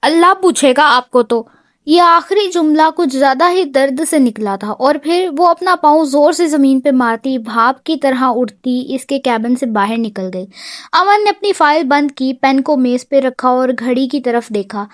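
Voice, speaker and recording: High-voiced woman narrating a novel. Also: dry recording, clean studio sound. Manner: measured, expressive storytelling. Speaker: audiobook narrator. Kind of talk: scripted narration of a romance novel.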